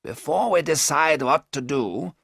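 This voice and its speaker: A man reading aloud, voicing a wise older professor who explains his plans in a measured, firm way. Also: on the high side, lively intonation, vocal fry, a bit bright, husky, no echo, clean studio sound, voice pushed up, full character voice.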